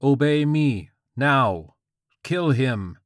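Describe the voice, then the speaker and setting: A man's voice: medium pitch, lively intonation, very slow, no room sound, clean studio sound, pitched above the performer's own voice. Man voicing a raised, wrathful commanding god. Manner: urgent, commanding, declamatory. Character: wrathful imperious god-like voice, hissing orders to kill.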